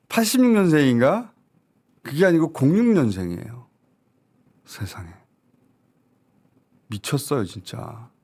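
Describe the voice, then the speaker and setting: A man's voice: on the high side, very animated, slow, long pauses, darkish tone, slightly rough. A man giving heated news talk-show commentary, talking in an indignant, emphatic and urgent way. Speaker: political commentator.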